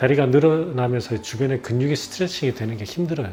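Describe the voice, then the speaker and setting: The man's medium pitch shows ordinary variation as he speaks at a fairly quick pace. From South Korea, Busan. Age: middle-aged. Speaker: orthopedic surgeon. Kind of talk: Q&A reading viewer comments.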